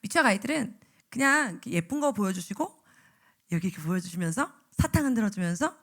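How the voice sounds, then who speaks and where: A woman evangelist giving a lively sermon to church teachers, often acting out the voices of teachers and children. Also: medium pitch, fast talker. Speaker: evangelist preacher. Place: church sanctuary.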